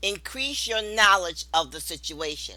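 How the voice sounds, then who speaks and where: A woman speaks at a fairly slow pace with lively intonation. Her voice is medium in pitch, with a bright, sharp tone. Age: 70s. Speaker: breast cancer survivor and advocate. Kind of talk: testimony and appeal.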